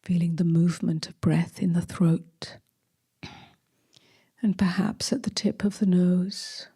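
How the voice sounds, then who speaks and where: A meditation teacher guides a session in a soft, hushed, breathy voice, speaking gently in short phrases separated by long pauses. Her pitch is fairly low and her tone steady, captured in a dry, studio-quality recording.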